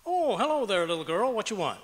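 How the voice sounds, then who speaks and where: A man's voice: sits high, sing-song, fairly quick. A man playing a stubborn, blustery, folksy husband in an old-time radio comedy. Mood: puzzled. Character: blustery, stubborn husband who hoards junk. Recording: echoey auditorium stage.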